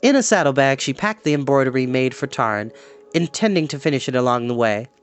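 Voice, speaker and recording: A man reading a storybook aloud as an expressive narrator. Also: medium pitch, brisk, smooth, faint music behind. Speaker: storyteller, host.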